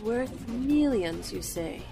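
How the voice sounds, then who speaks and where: A woman's voice: a little high, lively intonation, slow, vocal fry, over music, exaggerated voice. A woman playing a sassy, gossipy office worker in an audio drama. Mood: haggling. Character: sassy, gossipy female office worker spreading tall tales.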